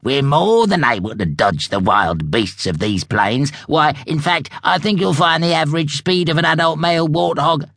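A man's voice: on the high side, lively intonation, moderate pace, creaky, few pauses, fairly bright tone, no echo, studio quality, voice pushed up, heavily acted. A man voicing a small, fat, chatty male warthog who acts like a know-it-all. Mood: boastful.

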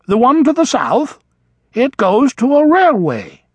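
A man's voice: extremely high pitch, wildly swooping pitch, measured pace, husky, no echo, voice pushed up, exaggerated voice. A man voicing an elderly, nearsighted male vole who is fussy, apologetic and old-fashioned in speech. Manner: flustered, polite, old-fashioned phrasing. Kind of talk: audiobook character voice.

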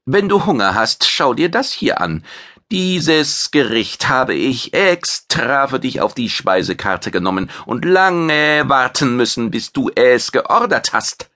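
A man's voice: medium pitch, big pitch swings, takes it slowly, sharp tone, voice pushed up, full character voice. Maitre, a proud horned alien chef, as a male narrator puts him on. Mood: boastful. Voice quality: hard, clipped pronunciation. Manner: boastful, blustering.

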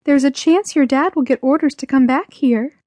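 A worried middle-aged mother, put on by a woman narrator in an audiobook. She speaks in a raised pitch, gentle, soothing and earnest but firm. The recording is dry. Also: normal speed, no echo, lightly acted. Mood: pleading, soothing. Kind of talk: audiobook character dialogue.

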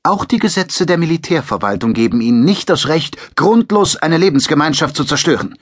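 A man's voice: a little high, lively intonation, brisk, no echo, clean studio sound, pitched above the performer's own voice. A man voicing an anxious, earnest male scientist in an audiobook, speaking in an uneasy, pleading way. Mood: indignant. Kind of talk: audiobook character voice.

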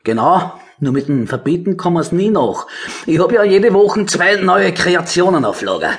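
Chatty austrian snack shop owner, highish bouncy voice, proud of his food, audio drama. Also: very animated, moderate pace. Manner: chatty, colloquial. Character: talkative male snack-shop owner, proud of odd creations.

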